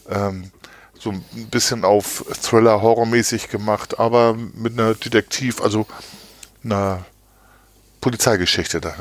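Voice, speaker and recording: A man at a very slow pace with fairly even intonation, in a dry, close sound with no echo. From Schleswig-Holstein, northern Germany. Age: 50s. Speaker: podcast co-host. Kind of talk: casual chat.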